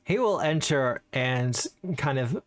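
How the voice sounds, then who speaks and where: A man runs a tabletop roleplaying game as game master. His voice is mid-pitched, and he moves casually between describing scenes and chatting with players. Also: animated, takes it slowly.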